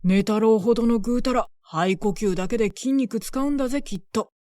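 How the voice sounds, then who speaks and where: A woman voicing gruff, scornful male village farmers who complain and bully with rough country speech. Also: fairly high pitch, a little fast, mellow, no room sound, studio quality, close to an everyday voice. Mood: mocking.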